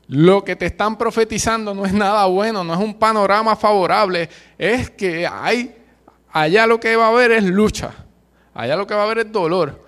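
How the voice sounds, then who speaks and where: A man's voice: sits high, moderate pace, fairly bright tone. A man with a Puerto Rican accent preaching a sermon, passionate and emphatic, mixing in colloquial slang and humor. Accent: Puerto Rican Spanish. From Puerto Rico.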